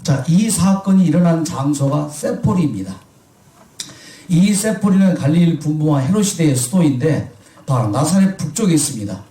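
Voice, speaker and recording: Korean pastor guy preaching, quizzes the crowd, mellow voice, big echoey room kinda far off. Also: on the high side, lively intonation, moderate pace. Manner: asks the congregation questions and answers himself. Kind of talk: sermon.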